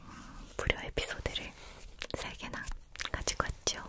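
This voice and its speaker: Over loud background noise but with a dry sound and no echo, a soft-spoken woman whispers at a fairly slow pace. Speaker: ASMR storyteller. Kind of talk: casual storytelling chat. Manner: soft close-mic ASMR whisper. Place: home room. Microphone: studio mic.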